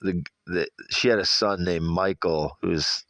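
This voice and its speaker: A middle-aged man from Iowa with a Midwestern accent rambles through a personal monologue in an extremely low, gravelly voice, congested from allergies. He halts, repeats, and corrects himself, with fairly even intonation and a slightly bright tone. The recording is dry and close, with no echo and little room sound.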